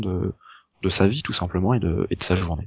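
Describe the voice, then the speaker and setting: A man speaks at a fairly quick pace. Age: 20s. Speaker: entrepreneur in web marketing. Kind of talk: interview. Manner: halting, many repetitions and fillers.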